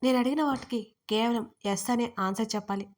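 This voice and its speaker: A woman's voice: a little high, brisk, darkish tone, lightly acted. A woman voicing an arrogant, bossy young male businessman who gives commands in a teasing way in an audio story.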